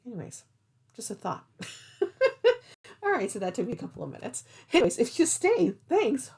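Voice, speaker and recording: A woman's voice: on the high side, sing-song, normal speed, darkish tone, husky. A woman hosting a craft vlog, chatting casually in a rambling way and thinking aloud as she goes. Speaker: cross-stitch vlog host. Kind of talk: casual rambling chat to camera.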